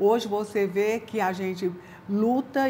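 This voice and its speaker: Over noticeable background noise, a woman speaks fairly slowly at a fairly high pitch, with ordinary pitch variation. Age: 60s. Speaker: gerontologist. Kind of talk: interview.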